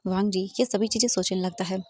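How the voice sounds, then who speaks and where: A woman's voice: medium pitch, steady tone, fast, darkish tone. A woman casually retelling a fan fiction story in plain narration, dropping English words in.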